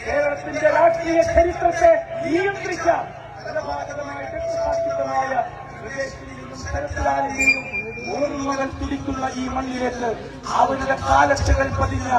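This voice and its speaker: A man with a Malayali accent, compering a political rally over a PA system, shouting and leading slogan chants. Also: extremely high pitch, far from the mic. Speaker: rally announcer. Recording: echoey PA sound with crowd noise.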